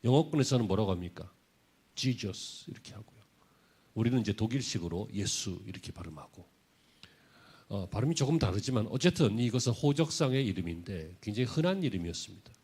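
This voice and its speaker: A middle-aged man preaching a Sunday sermon as pastor, moving from quiet conversational storytelling to loud, emphatic declarations. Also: lowish voice, animated, fairly quick, breathy edge.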